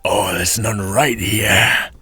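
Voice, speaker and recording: A man voicing a gruff, ill-tempered male devil in a storybook reading, with slow, drawn-out, loud delivery. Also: fairly low pitch, fairly even intonation, faint music behind, full character voice. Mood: suspicious.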